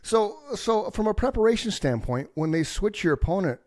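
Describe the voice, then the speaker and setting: A man in his fifties hosting a casual interview podcast, chatty and quick to laugh, often restarting his sentences. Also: high voice, animated, darkish tone, no echo, clean studio sound. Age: 50s. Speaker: podcast host.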